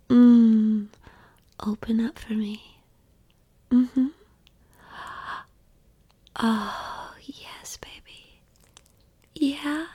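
A woman whispering an intimate ASMR roleplay in a soft, coaxing, reassuring manner. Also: fairly high pitch, breathy edge, no room sound.

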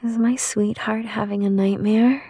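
A woman whispering softly and soothingly in an ASMR roleplay, close to the microphone. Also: mid-range voice, steady tone, a little slow, husky, no echo.

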